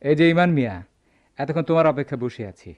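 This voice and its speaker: An actor playing a brisk, emotional middle-aged jewellery merchant in a radio drama, speaking emphatically and theatrically. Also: male voice, on the high side, close to an everyday voice. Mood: businesslike. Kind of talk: Bengali radio drama acting. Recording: dull lo-fi radio drama sound.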